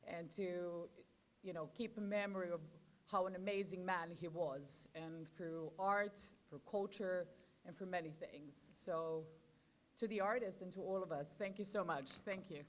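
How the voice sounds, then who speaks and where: A woman with a Serbian accent speaks at a conference podium, thanking the organizers in an informal, slightly scattered way. Her voice sits a little low for a woman. She sounds like an artist speaking off the cuff rather than reading a script. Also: measured pace. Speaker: artist giving an award speech. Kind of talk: short thank-you speech at a conference.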